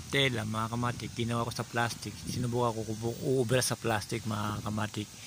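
At a moderate pace, a man speaks in a monotone, flat intonation with a dry sound with no echo and light background noise. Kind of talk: casual vlog chat. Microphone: phone near.

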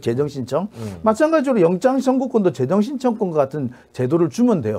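Speaking at a moderate pace, a man has a dark, mellow tone. His pitch swings very widely. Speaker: legal affairs reporter. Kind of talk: casual political interview. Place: studio. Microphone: lapel.

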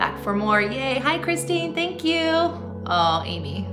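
Music can be heard clearly in the background. Over it, a woman talks very slowly. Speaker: yoga instructor. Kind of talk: live class chat with viewers. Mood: warm, upbeat. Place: home room. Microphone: phone near.

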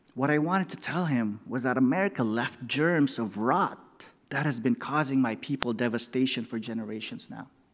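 With a Filipino accent, a man talks at a moderate pace with hardly any pauses, at medium pitch with ordinary pitch variation. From Philippines. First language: Tagalog. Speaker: keynote speaker and academic; keynote speaker. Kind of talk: keynote speech. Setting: stage with audience. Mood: earnest, serious. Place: hall. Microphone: podium.

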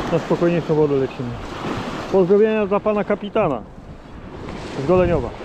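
A high-pitched man speaks very fast, his loudness very even, with long, frequent pauses. The sound is dry with no echo, and there is noticeable background noise. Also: lively intonation. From Poland. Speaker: beach metal-detecting vlogger. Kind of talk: casual vlog narration. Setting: outdoors. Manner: animated. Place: beach. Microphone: phone near.

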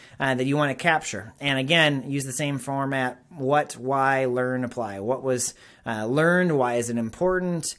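In a quiet background, a man speaks at a moderate pace with ordinary pitch variation. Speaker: coach or presenter. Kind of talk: lecture. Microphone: webcam.

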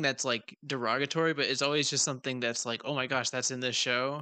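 A man speaks at a fairly quick pace with a bright, sharp tone. The background is quiet and the sound is dry, with no echo. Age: young (19). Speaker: college student podcast host; podcast guest, animation voice actor. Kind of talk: casual interview chat. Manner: hesitant, many fillers. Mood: relaxed, amused. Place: home room. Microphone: earbuds.

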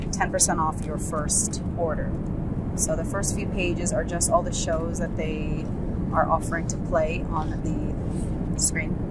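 Loud background noise runs under a woman speaking at a fairly slow pace. The sound is dry, with no echo. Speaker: travel vlogger. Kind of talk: casual vlog chat. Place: plane. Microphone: phone near.

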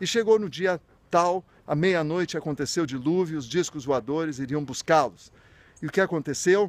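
A man with an unremarkable speaking voice, fairly high pitch and ordinary pitch variation, at a moderate pace in a dry sound with no echo. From Brazil. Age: 50s. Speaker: entrepreneur and self-leadership educator; self-leadership educator. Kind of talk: educational vlog monologue. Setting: leaving the gym. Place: garden. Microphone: phone near.

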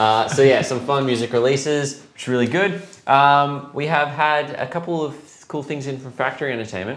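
A man talks at a moderate pace with ordinary pitch variation and hardly any pauses, his loudness swinging widely, in a room with audible echo. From Australia. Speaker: retail livestream host presenting collectibles. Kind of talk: casual live-stream product showcase. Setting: studio live stream. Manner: animated. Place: shop. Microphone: lapel.

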